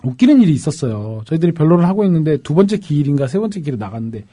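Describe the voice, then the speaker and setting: Quick, animated man telling a story. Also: on the high side. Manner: lively, quotes people in acted voices. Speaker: defense lawyer. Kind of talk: animated storytelling in a panel talk.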